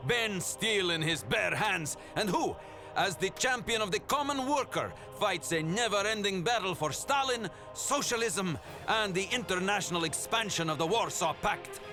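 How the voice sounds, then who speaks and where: A proud Soviet propaganda announcer, grandiose and menacing. The voice is high and sweeps dramatically up and down over clear music. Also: male voice. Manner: grandiose, declamatory.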